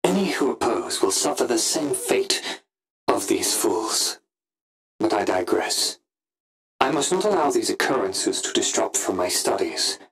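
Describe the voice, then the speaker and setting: A man voicing an ambitious, brooding Sith Inquisitor in a pompous, deliberate, theatrical monologue for a scripted audio log. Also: low-pitched, very animated, gravelly, full character voice, poor audio. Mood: cold fury. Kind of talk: scripted in-character log narration.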